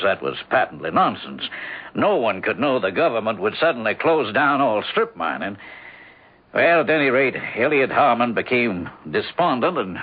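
An actor playing a folksy, businesslike small-town lawyer in a 1970s radio drama, with hesitant interjections. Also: male voice, mid-range voice, slightly rough. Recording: narrow, dull vintage radio recording.

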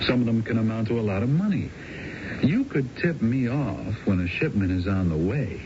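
Through a noisy, dull old radio broadcast comes a man playing a cocky American ex-con schemer. He is glib and utterly unabashed, his lowish voice swinging freely as he makes his pitch in 1970s radio-drama style. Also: lively intonation, moderate pace, close to an everyday voice. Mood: sly, needling. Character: brazen male ex-convict hustler, cocky, smooth-talking schemer. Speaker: actor in a radio mystery drama.

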